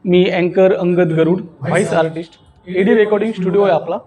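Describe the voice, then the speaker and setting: A man's voice: high voice, fairly even intonation, brisk, crowd noise. A man leading a stage-speaking workshop, emphatic and often putting questions to his listeners. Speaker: workshop trainer, anchor and voice artist. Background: audience of students.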